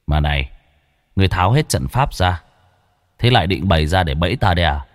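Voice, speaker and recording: A man voicing a powerful male demon warden with a cold, low, commanding delivery. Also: animated, brisk, long reverb tail.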